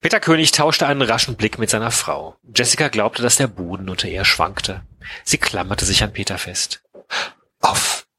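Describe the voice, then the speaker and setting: Bright, husky man reading a story aloud. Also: lowish voice, lively intonation, moderate pace. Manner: reads narration aloud with dry asides. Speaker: podcast co-host reading a serialized story aloud. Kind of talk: casual podcast chat with read-aloud story.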